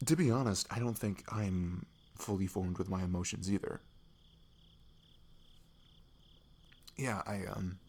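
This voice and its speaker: Male actor as nervous young guy, sweet best friend, low creaky voice, breathy, halting, intimate ASMR roleplay. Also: darkish tone, exaggerated voice. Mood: earnest, relieved. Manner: hesitant, halting, slipping into whispers.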